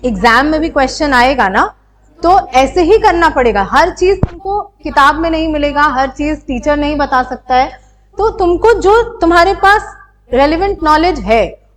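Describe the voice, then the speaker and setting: Young woman, high voice, a teacher working through quiz questions with students. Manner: explanatory, asks students rhetorical questions. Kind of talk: exam-prep lecture.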